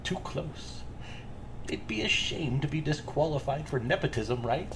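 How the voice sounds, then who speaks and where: Audio drama serial killer, played by a man: talkative, volatile, casually menacing, very lively pitch, noisy background. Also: unhurried. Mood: gleeful, boastful. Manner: rambling, casually menacing, demanding answers. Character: chatty, volatile serial killer boasting to a captive.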